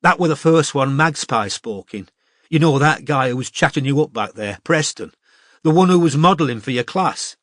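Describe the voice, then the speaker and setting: A man voicing a troubled teenage girl with a northern English accent, talking in a halting, confessional way. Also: fairly high pitch, lively intonation, a bit bright, no room sound, studio quality, voice pushed up. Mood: chatty. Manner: tearful, halting confessional talk.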